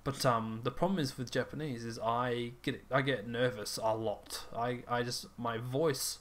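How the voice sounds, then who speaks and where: A man's voice: medium pitch, steady tone, a little slow, over a noisy crowd. A young man co-hosting a podcast, tired after work, rambling and laughing as he chats. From Australia. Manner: rambling, laughs often, self-restarting. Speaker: podcast co-host. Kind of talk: casual chat.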